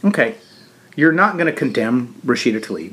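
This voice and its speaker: He speaks with an American accent. For a man, his voice is fairly high. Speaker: podcast host. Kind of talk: casual solo talk with cigar review.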